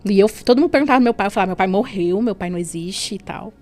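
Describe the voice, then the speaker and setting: A woman's voice: medium pitch, racing, darkish tone, faint music behind. A woman giving an earnest, heartfelt faith testimony in a podcast interview, often saying "né" and "assim". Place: podcast studio.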